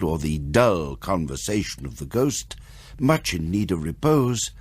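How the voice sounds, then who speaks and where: A very low-voiced male storyteller narrates a classic ghost tale for radio. His pitch rises and falls expressively through deliberate, dramatic phrases. Music plays clearly underneath. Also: a little mellow, dry recording, heavily acted. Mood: measured, wry.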